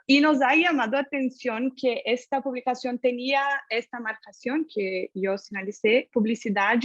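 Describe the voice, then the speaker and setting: Woman, Brazilian Portuguese accent, non-native and halting, upper-register voice, conference presenter, slightly lo-fi video-call sound. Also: a little high, no room sound. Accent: Brazilian Portuguese accent in Spanish. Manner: halting, self-correcting non-native speech. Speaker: freelance journalist presenting research. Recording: slightly dull lo-fi online call.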